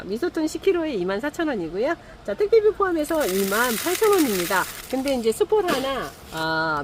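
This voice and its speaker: Chatty middle-aged lady talking plants, voice bouncing up and down, bit of faint noise behind. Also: medium pitch. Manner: chatty, animated, lots of fillers. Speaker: succulent grower and seller. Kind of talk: casual talk while repotting plants. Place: outdoor or greenhouse setup, rain in afternoon.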